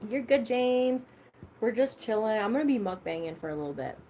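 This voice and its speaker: A woman's voice: fairly high pitch, animated, fairly quick, mellow, a little hiss or hum. A young woman hosting a casual livestream, chatting loosely and swearing freely while she eats. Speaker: livestream host.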